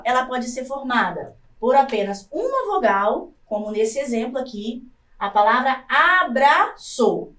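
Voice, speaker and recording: A woman teacher with a Brazilian Portuguese accent, high-pitched and very animated, who talks slowly and sounds out each syllable. She is recorded in an echoey room, standing back from the microphone. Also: far from the mic. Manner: slow, sounding out syllables one by one. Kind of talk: recorded classroom lesson for adult learners.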